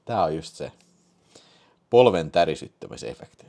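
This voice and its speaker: A man's voice: very deep voice, very animated, creaky, mellow, slight background noise. A man hosting a live stream, reading a story aloud in a mock-serious way and breaking off for amused asides. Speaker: host of a live film show.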